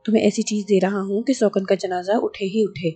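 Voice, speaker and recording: A scheming male sorcerer, voiced by a woman in an audio novel, boasting of his powers and bargaining over money. The tone stays mellow and dark, with soft music underneath. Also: mid-range voice, steady tone, slightly rough, lightly acted. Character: scheming older male sorcerer, greedy and menacing.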